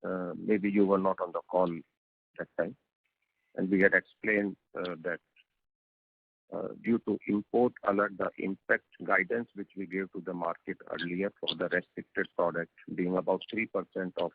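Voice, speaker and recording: An Indian-accented man speaking as a company executive on a conference call, explaining in a measured, halting way with frequent hesitations. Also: sits low, fairly even intonation, husky, no room sound. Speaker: company executive answering investor questions. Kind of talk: earnings call answer, explanatory. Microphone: telephone conference call. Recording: tinny, narrow phone conference line.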